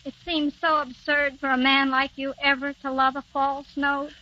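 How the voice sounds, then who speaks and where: A flighty, eager-to-please young wife in an old 1930s radio drama. Her voice is high and bright, and the broadcast sound is muffled and lo-fi. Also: little pitch movement, moderate pace. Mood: contrite. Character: scatterbrained, well-meaning young wife.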